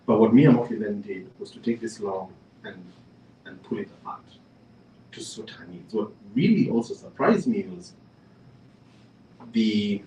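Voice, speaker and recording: A man's voice: lowish voice, animated, unhurried, long pauses, mellow, a little hiss or hum. A man from Kenya speaking on a panel discussion, telling a story in a conversational way with fillers and restarts, building to emphatic points. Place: panel event in a room. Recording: echoey room, speaker far from the mic.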